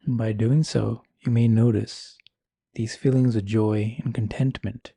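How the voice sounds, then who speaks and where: A man with a fairly low, very mellow and husky voice guides a meditation. He speaks calmly and soothingly, with unhurried instructions and long pauses between them. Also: no echo.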